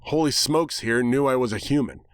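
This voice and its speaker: A man reading a first-person story as narrator in a wry, deadpan manner. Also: medium pitch, moderate pace, smooth, no echo, studio quality. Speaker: narrator, dramatic reader.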